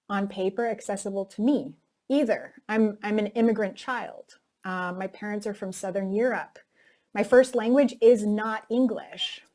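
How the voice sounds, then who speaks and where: A woman speaks in an interview at a middle pitch, neither high nor low. She tells her story in a candid, reflective way, with plenty of casual "like" and "you know" along the way. The talk is unscripted and personal. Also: mellow. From North America. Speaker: actress interviewee.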